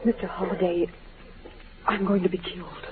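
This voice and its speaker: A woman's voice: on the low side, flat delivery, moderate pace, close to an everyday voice. A woman playing an anxious, pleading young actress in a 1940s radio drama. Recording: muffled old radio recording.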